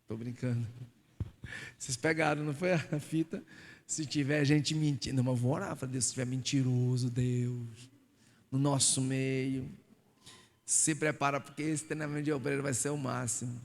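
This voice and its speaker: A man preaching a joking, lively sermon as a pastor in a church hall. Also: mid-range voice, normal speed, gravelly. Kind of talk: sermon teaching.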